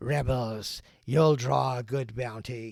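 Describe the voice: A man's hissing, put-on character voice at medium pitch and a fairly slow pace.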